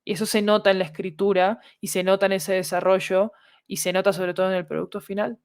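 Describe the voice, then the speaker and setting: A woman's voice: medium pitch, flat delivery, fast, smooth, no room sound, clean studio sound. A woman, speaking as an interview guest and explaining ideas articulately, point by point. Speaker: interview guest, audio fiction creator.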